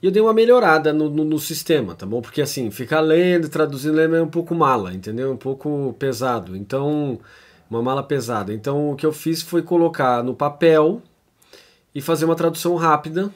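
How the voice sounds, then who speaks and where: A man's voice: fairly high pitch, animated, brisk. Brazilian man giving a casual lecture. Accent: Brazilian Portuguese. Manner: conversational, frequent tag questions and fillers. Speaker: lecturer on theology. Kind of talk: informal lecture, reading and commenting a text.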